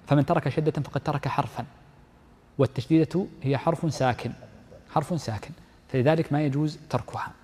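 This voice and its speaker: شيخ يشرح درسًا بسرعة في قاعة مترددة الصدى. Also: male voice, fairly high pitch, darkish tone. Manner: explains step by step, repeats key phrases, reads the text aloud then comments. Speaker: sheikh teaching Islamic jurisprudence. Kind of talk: classroom lesson explaining a text. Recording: long hall reverb.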